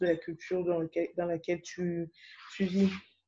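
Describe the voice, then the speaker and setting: The voice is monotone with flat intonation, a dark, mellow tone, and a somewhat breathy quality. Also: woman. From Cameroon. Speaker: podcast host. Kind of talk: interview.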